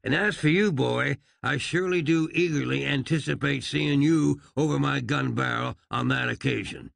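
A man's voice: medium pitch, normal speed, gravelly, fairly bright tone, dry recording, pitched above the performer's own voice. A man voicing a grandiose, vengeful Old West marshal who talks in pompous, folksy frontier phrases. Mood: menacing.

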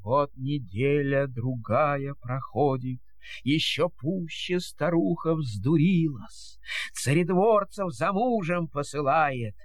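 A man narrating a verse fairy tale in a theatrical, measured storytelling manner. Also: a little high, no echo.

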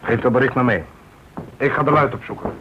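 A man's voice: mid-range voice, a little fast, lightly acted. Male actor as snappish, commanding sergeant in wartime radio play; muffled recording with faint noise. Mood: brisk, impatient. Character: gruff, impatient Dutch army sergeant on border patrol. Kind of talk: radio drama acting.

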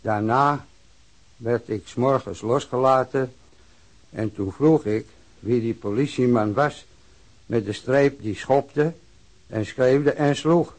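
Radio drama: down-and-out middle-aged labourer played by a man, aggrieved, plain-spoken, very slow and halting delivery. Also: mid-range voice, close to an everyday voice, low-quality recording. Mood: aggrieved, plodding. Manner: halting, plain-spoken, simple repetitive phrasing. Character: aging down-and-out working-class drinker recounting police beating, aggrieved. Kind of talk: radio drama monologue, letter of complaint.

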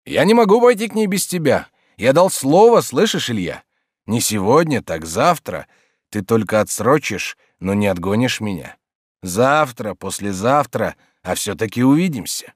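A man voicing an energetic, loyal friend who presses urgently and insistently, in an audiobook reading. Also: mid-range voice, normal speed, no echo, studio quality.

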